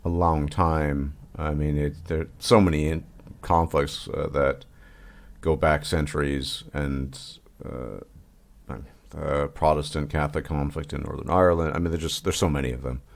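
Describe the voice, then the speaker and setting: A man with an extremely deep voice hosts a conversation. He asks questions thoughtfully, pausing with fillers as he searches for the right words. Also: little pitch movement, creaky. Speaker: host. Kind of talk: interview conversation.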